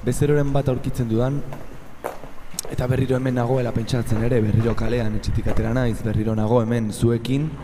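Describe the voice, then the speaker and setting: A man giving a reflective first-person radio monologue in a halting way, repeating phrases. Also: mid-range voice, flat delivery. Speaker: narrator of a radio serial. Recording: outdoor street noise. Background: urban street ambience with vehicles.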